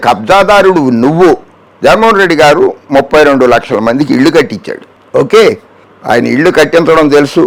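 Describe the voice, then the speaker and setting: Sarcastic high-voiced male news commentator. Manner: sarcastic, mocking, scolding a politician directly.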